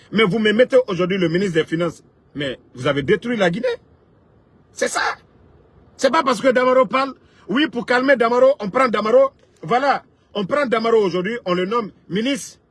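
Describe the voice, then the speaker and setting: A man delivering an impassioned political rant, emphatic, swinging between loud outbursts and low asides, with a husky voice. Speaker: political commentator.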